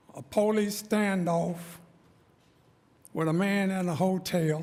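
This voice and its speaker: A man speaks at a very slow pace with a high pitch and fairly even intonation. Room echo is audible. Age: 70s. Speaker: public commenter. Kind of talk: public comment at council meeting.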